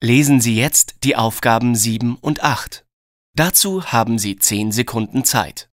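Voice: medium pitch, a little slow, dry recording. Test narrator, medium register, formal and neutral scripted instructions, very dry recording. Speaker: exam narrator.

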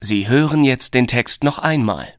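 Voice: medium pitch, unhurried. A narrator reading scripted listening test instructions in a formal, neutral manner. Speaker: exam narrator.

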